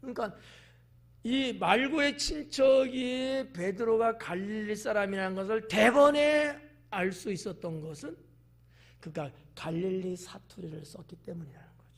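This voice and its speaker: A fairly slow, animated tone with a slight Chungcheong accent. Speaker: pastor. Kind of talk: sermon.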